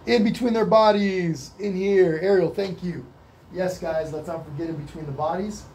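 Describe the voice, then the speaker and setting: A man's voice: sits high, moderate pace, a little mellow, a little hiss or hum. A man with a slight cold leading a live painting lesson indoors, reading out viewer comments and encouraging them. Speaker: painting instructor. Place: indoor art studio.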